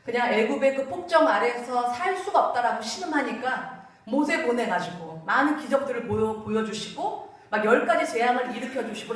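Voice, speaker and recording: A woman evangelist delivers a sermon, telling the story vividly and acting out the voices she quotes. Her voice sits fairly high and swings widely in pitch. She sounds distant, caught in the heavy echo of a church sanctuary. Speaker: evangelist preacher. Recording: echoey church hall, voice from far off.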